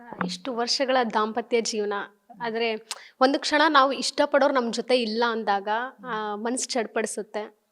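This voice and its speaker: Woman interviewer, higher-pitched voice, gentle personal questions, soft murmurs of agreement. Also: fairly even intonation, measured pace.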